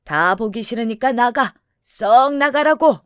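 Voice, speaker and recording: A woman voicing an elderly, bereaved mother-in-law in a dramatized story, blunt and muddled, with rough old-woman speech. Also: mid-range voice, measured pace, darkish tone, dry recording, studio quality, natural voice. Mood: angry.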